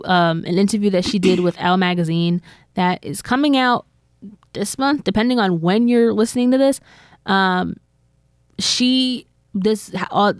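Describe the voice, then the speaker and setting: Clean studio audio without echo captures a woman of medium pitch and clean tone co-hosting a casual gossip podcast. She's a chatty storyteller, wandering through the retelling with plenty of fillers.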